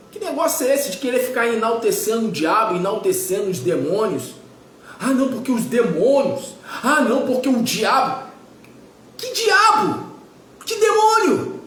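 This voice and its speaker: A man's voice: very high voice, a bit bright, reverberant, slight background noise. A man in his forties preaching a sermon as pastor, emphatic and repetitive, firing off rhetorical questions. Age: 40s.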